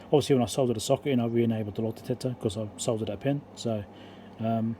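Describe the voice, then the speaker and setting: A man with a soft-edged, mellow voice talks through technical details in a casual, matter-of-fact way. He rambles a little as he thinks aloud, with faint noise behind him. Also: mid-range voice, fairly even intonation, quick pace. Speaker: electronics repair host.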